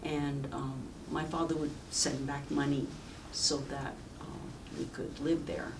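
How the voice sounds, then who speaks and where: A woman in her seventies from rural southern China, a native speaker of a Chinese village dialect, reminisces about her life in a halting, reflective way for an oral history interview. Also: a bass voice, level tone. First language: Sayep village dialect of Chinese. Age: 70s. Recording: distant mic with faint background noise.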